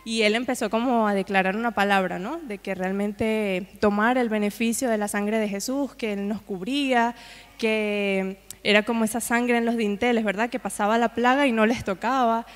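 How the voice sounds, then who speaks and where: A woman's voice: on the high side, steady tone, normal speed. A woman preaching, telling a personal testimony to a congregation in a conversational way with frequent asides. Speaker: guest preacher. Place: church hall. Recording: long hall reverb.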